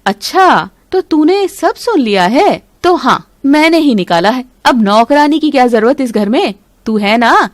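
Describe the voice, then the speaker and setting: A scheming middle-aged mother-in-law snaps and scolds in a high, lively voice, voiced by a woman. She sounds sly and bossy, like a storybook cartoon villain. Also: unhurried, few pauses, dry recording, clean studio sound. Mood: defiant. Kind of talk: animated storybook voice acting.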